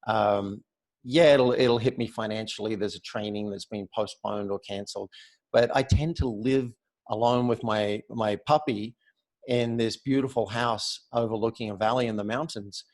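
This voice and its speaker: Guest, Australian man, 50s, energetic and conversational. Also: lowish voice, normal speed. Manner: upbeat, chatty, restarts words often. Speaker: podcast guest. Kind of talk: casual interview chat.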